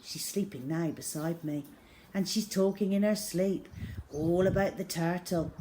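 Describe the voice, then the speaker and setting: A woman reads a story aloud as its narrator. Her delivery is expressive and measured, with dramatic weight given to the feeling in each phrase. It sounds like a children's audiobook told in the first person. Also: lowish voice, background noise.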